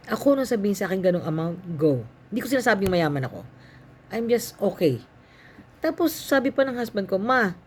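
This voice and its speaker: Calm older Filipino woman telling her story. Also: lowish voice, a little hiss or hum. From Philippines. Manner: calm, matter-of-fact, acts out dialogue. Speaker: cancer survivor sharing her story. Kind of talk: personal testimony, storytelling.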